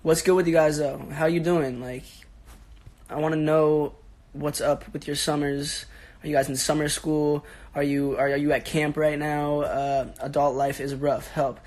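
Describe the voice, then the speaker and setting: A young man in his twenties with a raspy, sick-sounding voice, chatting casually and answering fans on a phone livestream from his bedroom. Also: fairly high pitch, little pitch movement, moderate pace, a little mellow. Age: 20s. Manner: laid-back, rambling, slangy, answering fans. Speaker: social media personality on a livestream. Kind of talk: casual livestream chat reading comments. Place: bedroom at home.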